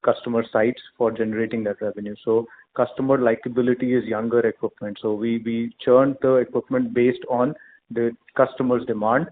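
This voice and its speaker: A man with an Indian accent answering questions as a company executive on an earnings call, in a measured, hesitant, formal corporate way. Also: medium pitch, flat delivery. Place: conference call. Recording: narrow phone line with clear noise.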